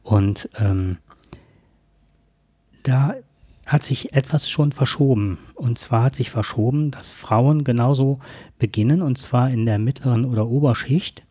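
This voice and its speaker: A man explaining things from notes in a conversation, with halting phrasing and formal wording. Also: medium pitch, mellow, slightly rough, no room sound, clean studio sound. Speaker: podcast co-host.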